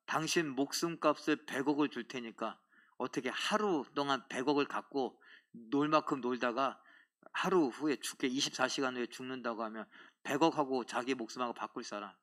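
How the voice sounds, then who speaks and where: A middle-aged male pastor giving a lively sermon in a church, acting out little scenes and joking with the congregation. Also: medium pitch. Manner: animated, acts out voices and jokes with the congregation. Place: church sanctuary.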